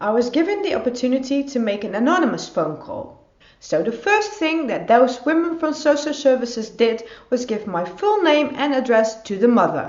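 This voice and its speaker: A woman with a Dutch accent at a high pitch, very wide pitch swings, a moderate pace, and noticeable background noise. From Netherlands. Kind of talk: opinion commentary to camera. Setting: home recording, poor sound.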